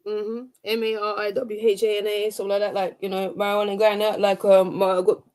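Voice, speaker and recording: A woman with a British accent, a guest chatting casually in lively slangy banter. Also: medium pitch, quick pace. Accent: British English. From England. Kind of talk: casual chat.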